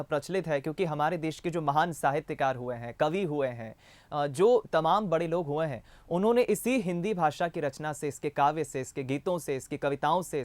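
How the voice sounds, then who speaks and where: A man's voice: on the high side, no room sound. Dry-toned male news anchor. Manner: formal, measured, trailing restarts. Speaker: news show host. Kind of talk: studio panel discussion.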